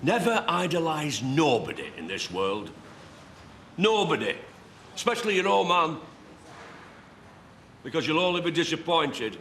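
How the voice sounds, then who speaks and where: Gruff Yorkshire dad, weary and bitter. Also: male voice, on the high side, very animated, a little slow, long pauses, fairly bright tone, slight background noise, heavily acted. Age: older. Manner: blunt, gruff, lecturing. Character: weary, bitter middle-aged father. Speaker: father. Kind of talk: TV soap drama acting.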